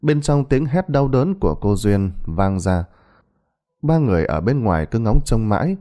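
A man telling a village tale in a low, mellow voice. His narration is expressive and animated, with pitch that moves freely from phrase to phrase. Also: normal speed. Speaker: ghost story narrator. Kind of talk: storytelling narration.

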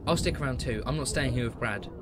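A man's voice: medium pitch, fast talker, close to an everyday voice. A young man playing an earnest, loyal student survivor in an audio drama, speaking plainly and sincerely. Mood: earnest resolve. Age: young adult. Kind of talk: amateur audio drama acting. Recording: noisy background ambience.

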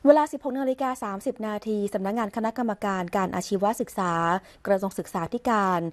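Here a female news reader voices the royal court news in a formal broadcast style, her pitch sitting in the mid range. Everything she says is even, measured and ceremonious, paced like a scripted official news bulletin.

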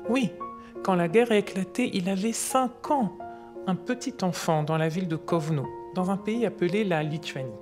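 A woman's voice: fairly low pitch, normal speed, natural voice. A woman as an older, patient grandmother explaining history to a child in a storytelling way. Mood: patient, explanatory. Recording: music under the voice.

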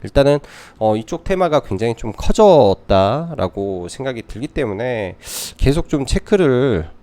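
A man's voice: medium pitch, very animated, normal speed, mellow. A man giving live stock market commentary as a trading adviser, explaining things by posing questions and answering them.

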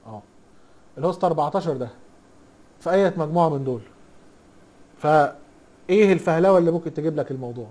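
A man's voice: on the high side, fast talker, long pauses, warm tone. A man with an Egyptian accent teaching a casual recorded lesson, chatty and teasing, constantly quizzing the class with rhetorical questions. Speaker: IT instructor.

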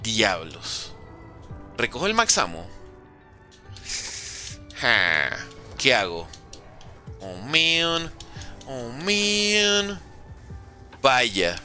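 A man's voice: mid-range voice, pushed and bright. A man streaming a video game, chatting casually with jokes and slang and answering his viewers' messages. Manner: playful, joking, slangy, reading chat aloud. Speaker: gaming streamer. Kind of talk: casual livestream commentary.

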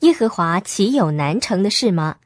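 A woman reading as God, solemn and measured. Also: medium pitch, very animated, no room sound, studio quality. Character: God, an all-powerful male deity speaking solemnly.

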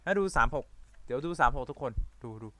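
A man giving excitable let's-play commentary, talking in rapid-fire bursts with playful loud exclamations. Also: mid-range voice, dry recording. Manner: rapid-fire talker who admits he talks too fast and runs out of breath. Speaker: gaming video creator.

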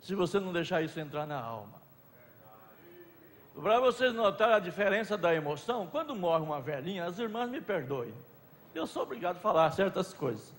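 A man with a Brazilian Portuguese accent preaching a sermon to a conference audience, swinging from loud outbursts to soft asides and stretching out words. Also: sits high, big pitch swings, brisk. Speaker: pastor. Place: large hall at a pastors' conference. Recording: long hall reverb.

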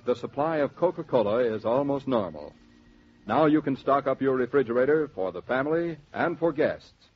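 A man announcing as a radio host, reading a sponsor message in smooth, polished delivery. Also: mid-range voice. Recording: dull 1940s radio transcription with music.

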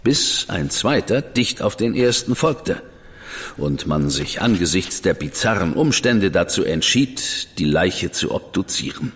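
An actor playing a reserved, measured investigator in a radio drama. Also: male voice, low voice, very animated, a bit bright, heavily acted. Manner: measured, dry, withholding. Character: cool, reserved male investigator, brother of a famous detective. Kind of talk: German radio drama acting. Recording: long reverb with music behind.

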